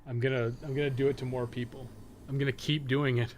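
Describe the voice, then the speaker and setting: A man's voice: mid-range voice, flat delivery, fast talker, background noise. A man giving casual, rambling live commentary as he games, thinking aloud and swearing freely. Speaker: gaming streamer and podcast co-host.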